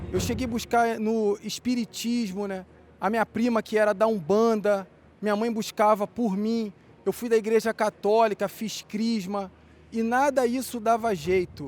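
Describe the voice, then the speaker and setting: In a very clean recording with a silent background, a man speaks at a high pitch, fairly slowly, with fairly even intonation. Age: 40s. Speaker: air force officer giving church testimony. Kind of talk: testimony.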